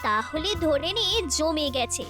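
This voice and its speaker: Chirpy cartoon kid, extremely high-pitched, eager, know-it-all, teasing. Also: female voice, expressive, unhurried, over music. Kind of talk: animated comedy cartoon acting.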